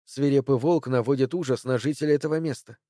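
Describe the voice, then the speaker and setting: Brief: poised, clever young woman, calm and measured, low mellow voice, dry sound, read by a male narrator. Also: dry recording, lightly acted. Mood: composed. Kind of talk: audiobook character voice.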